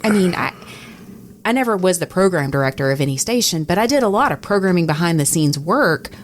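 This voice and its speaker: A woman with a slightly low voice tells stories in a casual, conversational way. She acts out the exchanges she remembers, like a podcast co-host swapping work stories. Faint noise sits behind her. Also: lively intonation, quick pace. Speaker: radio personality and podcast co-host.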